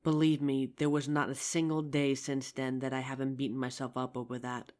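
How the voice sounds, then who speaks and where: A performer playing a regretful, tender zombie apocalypse survivor in an intimate audio roleplay, speaking earnestly with hesitant pauses. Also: mid-range voice, level tone, a little mellow, natural voice. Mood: remorseful, confiding. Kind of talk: ASMR audio roleplay, intimate scripted drama.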